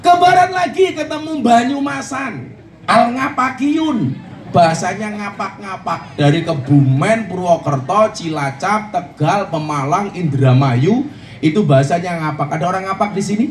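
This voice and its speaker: Man, preacher, high voice, jokey sermon, echoey and distant, crowd noise behind. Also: a little slow. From Indonesia. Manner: jokey, animated, mimics regional dialects, frequent shouts. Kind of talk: humorous religious sermon to a crowd. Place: outdoor religious gathering. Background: audience murmur and ambience.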